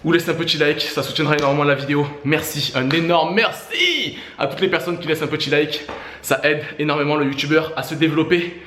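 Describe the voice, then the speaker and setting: A man's voice: fairly high pitch, fairly bright tone. A man talking casually to his viewers between sets of push-ups, urging them on like friends in a fitness challenge video. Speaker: YouTuber doing a fitness challenge. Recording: echoey room with faint background noise.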